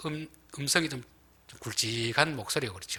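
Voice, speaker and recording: The tone here is bright and sharp. A man speaks at a fairly quick pace. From Gyeongsang region, South Korea. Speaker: pastor. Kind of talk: sermon.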